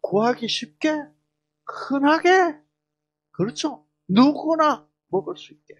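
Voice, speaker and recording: A man's voice: very high voice, expressive, slow, no room sound, dull audio. A man giving a health lecture to a live audience, quizzing the listeners with questions and jokingly slipping into regional dialects.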